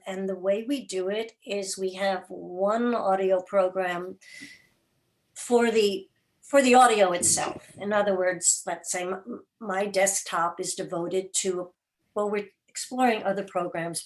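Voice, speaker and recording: A woman with an average-pitched voice speaks as a producer being interviewed. She answers informally, as a guest would at an online gathering over a video call. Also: steady tone, a little slow, low-quality recording. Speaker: radio drama and podcast producer, guest.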